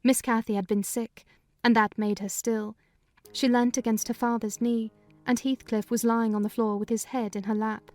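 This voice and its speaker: Female audiobook narrator, measured storytelling, slightly high voice. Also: flat delivery, a little mellow, faint music behind. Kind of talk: dramatized audiobook reading.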